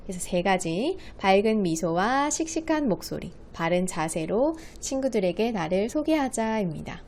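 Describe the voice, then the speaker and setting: A woman's voice: medium pitch, sing-song, moderate pace, a little mellow, slight background noise. A woman speech coach giving a patient, friendly lesson to schoolchildren, writing on a board as she talks. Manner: friendly, patient teacher voice addressing children.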